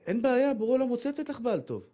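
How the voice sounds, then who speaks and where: A man giving a humorous sermon as a rabbi, telling lively stories and acting out the voices of the people in them. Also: very high-pitched. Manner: animated storytelling, acts out voices of women and his wife.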